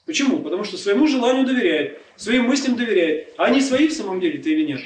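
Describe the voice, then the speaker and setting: A man's voice: sits high, very animated, quick pace. A man preaching a sermon, explaining earnestly and asking rhetorical questions. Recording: echoey room, distant mic, faint noise.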